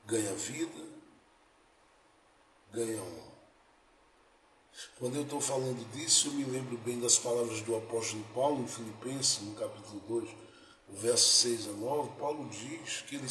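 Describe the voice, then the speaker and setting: A man preaching a sermon as pastor, building to emphatic peaks and then dropping soft. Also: mid-range voice, moderate pace, slight background noise. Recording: echoey room, faint ambience.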